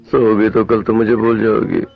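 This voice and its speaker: Devoted young lover, gravelly and animated, imploring; muffled film track. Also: male voice, lowish voice, normal speed. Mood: tender, coaxing. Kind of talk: film drama acting. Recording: band-limited film soundtrack with music behind.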